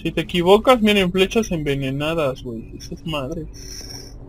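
A man's voice: a little high, expressive, a little slow, slight background noise, low-quality recording. A man with a Mexican accent giving casual, slangy, profanity-laced commentary as he plays a video game.

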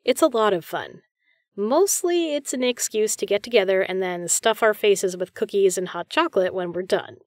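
A woman's voice: mid-range voice, animated, moderate pace, no echo, studio quality, close to an everyday voice. A woman playing a friendly, chatty, reassuring female caroler in a one-sided roleplay audio conversation. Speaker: voice actor.

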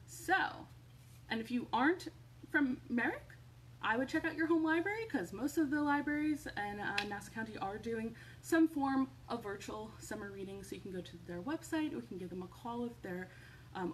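A young adult woman presenting an upbeat children's storytime in an animated, encouraging way, recorded in a room at home. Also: on the high side, moderate pace, a little hiss or hum, low-quality recording. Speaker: children's librarian hosting storytime. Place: indoors, living room at home.

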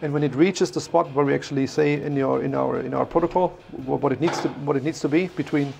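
A man's voice: on the high side, steady tone, fast, gravelly, noisy background. German-accented man explaining on a factory tour. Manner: explanatory, hesitant with fillers and restarts. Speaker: factory guide. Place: large workshop hall indoors.

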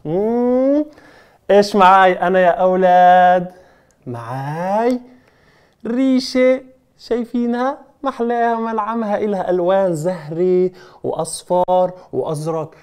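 A man's voice: high-pitched, unhurried, darkish tone, smooth. A man, presenting magic tricks to children and leading them in call-and-response. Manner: coaxing, call-and-response with children, playful exclamations. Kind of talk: lively children's show presenting.

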